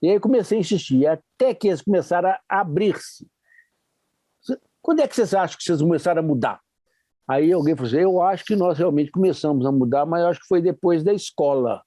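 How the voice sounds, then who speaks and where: Older man, Brazilian Portuguese accent, lively storyteller, warm tone, dry close sound. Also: fairly high pitch, fast talker, no echo. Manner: lively storyteller acting out dialogue. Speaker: educator telling a story in an online workshop. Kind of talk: storytelling talk. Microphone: online workshop mic.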